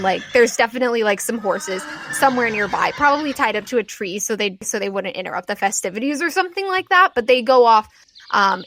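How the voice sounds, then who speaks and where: A woman game master improvising tabletop adventure narration in an animated, informal way. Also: on the high side, a little hiss or hum.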